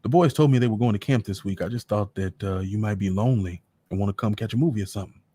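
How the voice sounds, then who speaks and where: A man reading a story, voicing a smooth-talking ex-husband who casually coaxes his ex-wife to go out. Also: fairly low pitch, fast, dark tone, dry recording. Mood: coaxing. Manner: coaxing, casual.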